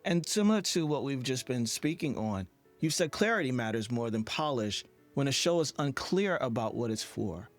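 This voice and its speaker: Male podcast host, average pitch, conversational and reflective interviewer, light music underneath. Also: animated, moderate pace.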